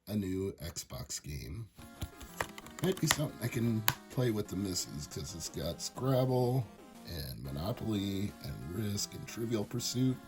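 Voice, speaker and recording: Male vlogger, hoarse and raspy from a cold, lowish voice, easygoing chatty show-and-tell, music playing behind. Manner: chatty, easygoing, enthusiastic about finds. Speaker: thrifting video creator. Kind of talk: casual show-and-tell chat.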